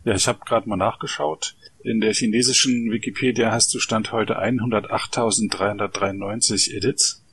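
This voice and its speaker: A man's voice: on the low side, steady tone, normal speed, fairly bright tone, a little hiss or hum. A man hosting a podcast interview, friendly and direct with his questions. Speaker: podcast host. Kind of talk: casual interview. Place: Berlin.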